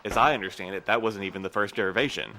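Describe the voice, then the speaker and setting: Actor as guarded, weary man with bright low voice. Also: rapid-fire, slight background noise. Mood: defensive, earnest. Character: guarded, weary postmaster man, evasive but courteous. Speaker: actor in a fiction podcast. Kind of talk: audio drama acting.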